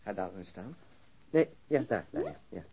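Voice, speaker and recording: An actor playing a weary, wry police detective and husband in a naturalistic radio drama, speaking in a laconic, dry, understated way. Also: male voice, on the low side, wildly swooping pitch, normal speed, mellow, a little hiss or hum. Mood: wry, playful.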